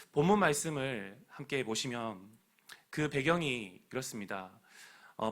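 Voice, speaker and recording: A man's voice: medium pitch, fairly bright tone. A man preaching a sermon in an earnest, fervent way, with prayerful appeals to the congregation.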